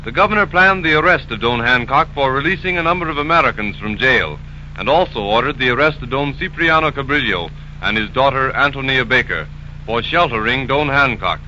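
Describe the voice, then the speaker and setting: A man's voice: mid-range voice, expressive, a little fast, pushed and bright. A man reading scripted narration as the announcer of a 1930s radio drama. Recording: muffled, faintly noisy 1930s radio recording.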